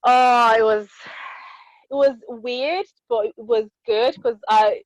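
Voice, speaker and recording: A woman's voice: a little high, fairly even intonation, takes it slowly, poor audio. A woman in her late twenties from Congo whose first language is French, a podcast guest talking earnestly in casual conversation with frequent fillers. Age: late 20s.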